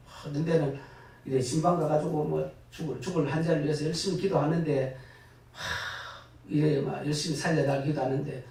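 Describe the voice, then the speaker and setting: A retired pastor, preaching a lively sermon full of laughing asides and sudden loud bursts. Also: male voice, on the high side. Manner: animated, laughing storytelling with sudden loud rises. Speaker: guest pastor. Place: church sanctuary. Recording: echoey church from far off.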